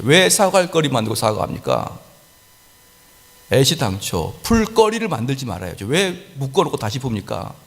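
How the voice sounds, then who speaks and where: A man preaching a sermon as pastor, lively and animated, acting out little scenes of quarrels. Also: medium pitch, gravelly, in a large hall. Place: church sanctuary.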